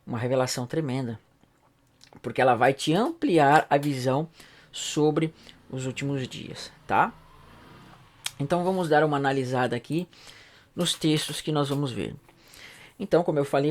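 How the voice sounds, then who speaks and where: A man leads a recorded Bible lesson as pastor. His voice sits in a middle pitch, and he teaches patiently, asking rhetorical questions and adding quick tag questions to check that listeners follow. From Brazil.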